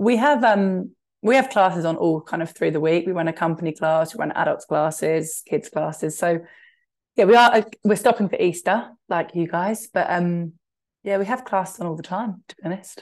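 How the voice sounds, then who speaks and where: Speaking with a southern English accent at a medium pitch, a woman talks at a moderate pace with ordinary pitch variation against a quiet background. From Brighton, southern England. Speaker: choreographer and dance company director. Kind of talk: interview.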